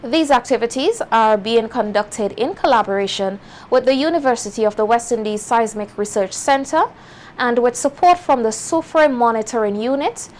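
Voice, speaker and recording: A woman reading a scripted news bulletin in a measured, formal way. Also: fairly high pitch, a little hiss or hum. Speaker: news anchor.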